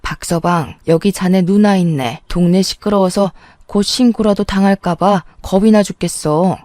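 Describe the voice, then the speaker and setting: A woman voicing a worried older mother who speaks urgently and firmly, in a warm, dry voice. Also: mid-range voice, moderate pace, no echo, lightly acted.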